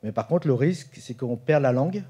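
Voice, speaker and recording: A man in his forties from France, speaking at a conference roundtable in a relaxed way, with many fillers and restarts. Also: medium pitch, fairly quick, breathy edge. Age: 40s. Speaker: roundtable panelist. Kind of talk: informal conference talk. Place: conference room.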